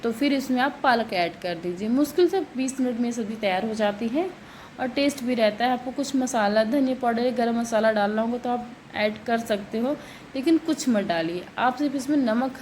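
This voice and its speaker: A woman, her voice sitting a little high. She chats in a rambling way as she cooks and explains each step, recorded in a home kitchen with faint household noise behind her. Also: moderate pace, a little mellow, low-quality recording. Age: 30s. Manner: chatty, rambling, explains steps while working. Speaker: vlogger. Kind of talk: casual home vlog while cooking.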